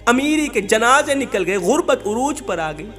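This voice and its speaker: A man's voice: high-pitched, expressive, a bit bright, faint music behind. A man voicing a harsh husband who scolds his wife in repeated, insulting phrases. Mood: scolding.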